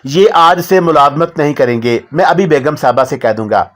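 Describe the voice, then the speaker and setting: A man's voice: a little high, normal speed, a bit bright, close to an everyday voice. A man voicing an angry elderly head of the house, growling and scolding in a raised, harsh voice. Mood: furious. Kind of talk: audiobook character voice.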